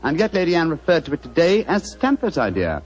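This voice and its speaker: An actor playing a brilliant, self-assured male detective in a 1940s radio drama, crisp and theatrical. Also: a little high, huge pitch swings, fairly quick. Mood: confident amused. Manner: crisp, theatrical, relishing his deductions. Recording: dull old radio recording with music.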